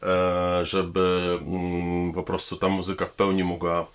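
Man, very deep voice, formal, thoughtful, many hesitation sounds, composer talking. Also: completely flat delivery. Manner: measured and thoughtful, with frequent hesitation fillers; formal, polite address to the audience. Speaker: pianist, composer and arranger. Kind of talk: promotional talking-head statement.

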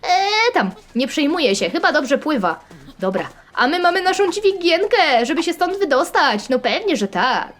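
Excitable high-pitched Polish woman gaming. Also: normal speed. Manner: playful and excitable, with sudden squeals and sing-song chants. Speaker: gaming channel host. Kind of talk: playing and narrating a browser game.

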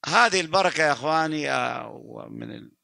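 A man's voice: a little high, expressive, fairly quick, vocal fry, bright, forceful tone. An older man and Quran reciter giving a religious talk, reciting verses, fervent and stumbling into restarts. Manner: fervent, many restarts and stammers.

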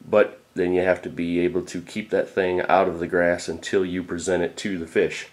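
A middle-aged man with a deep, low voice walks through his gear in a casual how-to style. He talks plainly and practically, with a fair number of uh's along the way. He sounds like the experienced fishing guide that he is. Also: level tone, moderate pace. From Florida. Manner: plain, practical, with frequent uh fillers. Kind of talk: casual instructional talk.

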